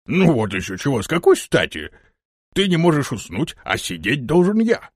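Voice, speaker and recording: A man voicing a calm, unhurried adult male companion in an audiobook, speaking low and deadpan. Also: husky, no room sound, clean studio sound, full character voice. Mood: grumbling.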